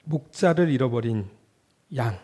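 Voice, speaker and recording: A man in his thirties, a junior pastor, preaching a sermon in church and asking the congregation rhetorical questions as his loudness rises and falls. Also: mid-range voice, lively intonation, measured pace.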